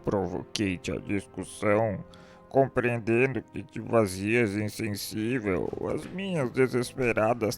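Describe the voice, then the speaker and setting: A man's voice: lowish voice, vocal fry. An actor playing a tormented, remorseful man confessing to murder and suicide in anguished, declamatory radio drama style. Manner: anguished, declamatory, drawn-out delivery.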